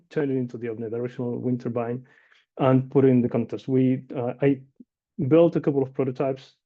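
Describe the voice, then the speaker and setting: A man in his forties from Chile, an inventor and founder giving a webinar presentation in a conversational way with many fillers and restarts, heard over a video call. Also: medium pitch. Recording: dull lo-fi video call audio.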